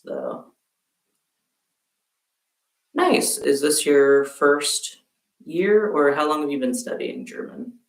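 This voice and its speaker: A man streaming a relaxed crafting session from home, chatting with viewers in a halting way while he works. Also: medium pitch, distant mic. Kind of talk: casual crafting livestream chat. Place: room at home, quilt behind. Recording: roomy sound from off-mic.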